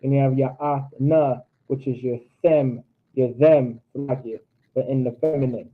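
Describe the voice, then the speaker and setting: A man's voice: medium pitch, fairly even intonation, measured pace. A man teaching a grammar lesson to his class, patiently drilling word forms one by one and reminding students to take notes. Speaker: language teacher. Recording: tinny phone-like audio.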